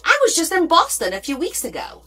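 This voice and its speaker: Her voice is very high and a little fast as she hosts a laid-back crafting livestream with faint music behind her. Raised in New Jersey after being born in Portugal, she has a light New Jersey accent and chats away, reading comments aloud with lively rises and quiet asides.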